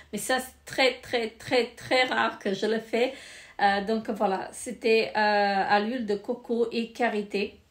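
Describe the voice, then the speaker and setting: Her voice is fairly high in pitch with fairly even intonation. The recording of this woman is very clean, with a silent background. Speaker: beauty vlogger. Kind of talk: casual product review vlog. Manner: halting, many fillers.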